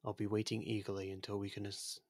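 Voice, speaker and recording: A man playing an ancient otherworldly being with a destructive past, speaking formally and gently in an intimate ASMR roleplay, with a soft husky voice. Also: on the low side, monotone, no echo, clean studio sound, lightly acted. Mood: fond, gentle. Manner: measured, formal, gently confiding. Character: ancient genocidal otherworldly being, imprisoned, now courteous and fond.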